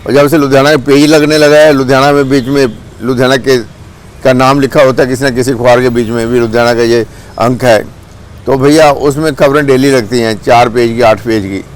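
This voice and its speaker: A man's voice: mid-range voice, steady tone, fairly quick. A man with a Punjabi accent from Punjab, India, giving a blunt, scolding monologue outdoors. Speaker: vlogger. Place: outdoors with birds and a cat nearby.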